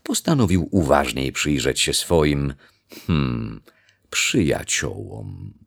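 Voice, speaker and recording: A man reads a fairy tale to children in a very deep, gravelly, husky voice. He takes his time, and his pitch rises and falls with the story. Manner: expressive, unhurried. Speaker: storybook reader.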